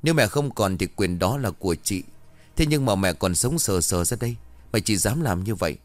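A man's voice: fairly low pitch, expressive, normal speed, no room sound, close to an everyday voice. A man voicing an indignant middle-aged younger son in a ghost story, lecturing and reproachful.

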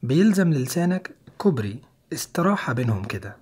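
A man with an Egyptian Arabic accent teaching an English listening lesson. He explains patiently and repeats English phrases slowly and clearly. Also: mid-range voice, sing-song, a little mellow. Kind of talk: online language lesson.

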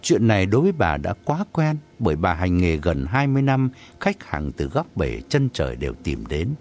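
A man reads a story aloud, his pitch rising and falling very widely as he builds scenes. His delivery is expressive and unhurried. Soft music runs underneath. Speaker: narrator. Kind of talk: audiobook narration.

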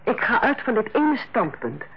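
A strict, militant hospital head nurse in a radio drama. Her voice is quite high and rough-edged, and she speaks bluntly and formally. The old recording sounds dull. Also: sing-song, normal speed, heavily acted. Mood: militant, resolute. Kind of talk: Dutch radio play acting.

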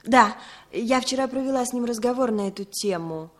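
A woman's voice: a little high, moderate pace, close to an everyday voice. A woman playing a clever, composed young female agent in a 1960s radio play, speaking in a poised, polished way. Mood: businesslike.

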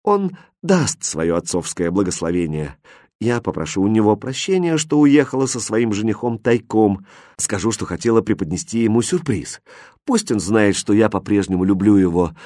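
A man's voice: on the low side, expressive, normal speed, warm tone, no room sound, natural voice. Brief: male reader doing a proud young princess, swoops up and down, dry close sound. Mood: eager. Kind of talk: audiobook character voicing.

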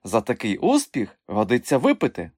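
A man's voice: medium pitch, wildly swooping pitch, normal speed, darkish tone, husky, dry recording, clean studio sound. A man voicing a seductive middle-aged female circus owner who talks in a coaxing, flirtatious way.

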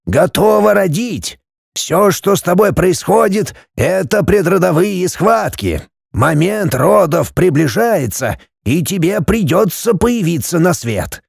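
A man voicing a calm, sorrowful old man with a grey beard who speaks in slow, measured, prophetic phrases. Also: high voice, gravelly, slightly rough, no room sound, studio quality, pitched above the performer's own voice, full character voice. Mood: calm mystical.

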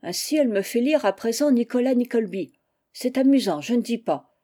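Resentful orphan boy in a storybook, woman reading him, mellow and earnest. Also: on the high side, animated, normal speed. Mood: complaining.

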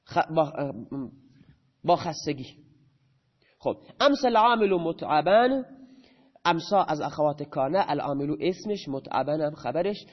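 A man's voice: on the high side, animated, pauses often, muffled recording. A man teaching grammar in a lecture, who asks his students questions and then answers them himself.

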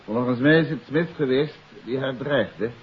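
An actor playing a composed, astute amateur detective in a 1950s radio drama, speaking in a measured, confident, matter-of-fact way. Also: male voice, medium pitch, lightly acted. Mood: assured. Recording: dull, hissy 1950s radio recording.

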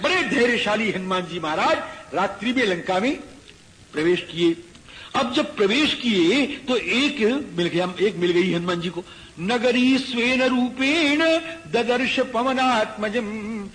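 A man's voice: high-pitched, animated, normal speed, fairly bright tone. A man giving a devotional discourse, chanting verses and explaining them, voicing characters. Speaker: Ramayana preacher. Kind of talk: devotional discourse with Sanskrit recitation. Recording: echoey hall, faint background noise.

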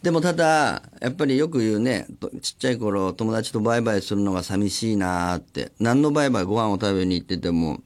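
A man hosting a solo radio show, chatting casually and acting out other people's lines in quick little voices. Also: fairly low pitch, expressive. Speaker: radio host.

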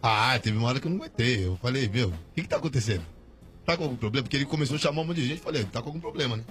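A man's voice: mid-range voice, lively intonation, rapid-fire, a bit bright, soft background music. A man, a guest on a radio show, telling a story in slangy casual talk with many restarts.

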